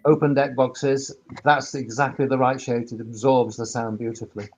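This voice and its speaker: Male webinar panellist, mid-pitched voice, halting and repetitive, informal expert explaining things. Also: little pitch movement, darkish tone, a little hiss or hum, low-quality recording. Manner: halting, repeats words. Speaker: expert panellist, sound engineer.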